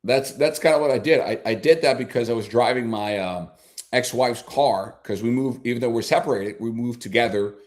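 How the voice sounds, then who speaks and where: A man whose first language is Spanish, a soccer broadcaster chatting as a guest on a radio show, talking in halting phrases with many restarts. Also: mid-range voice, darkish tone. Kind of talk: casual radio chat.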